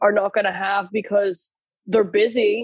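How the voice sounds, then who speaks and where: A woman's medium-pitched, ordinary speaking voice at a moderate pace, with a dry, close sound and no echo. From New Jersey. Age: 30s. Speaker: health and wellness coach. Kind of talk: casual interview chat.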